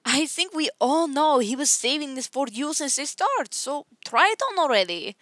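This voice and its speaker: A woman's voice: high-pitched, expressive, normal speed, a bit bright, no room sound, studio quality, voice pushed up. A woman playing a blunt, protective middle-aged circus strongwoman in an audition, firm and emphatic. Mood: pointed.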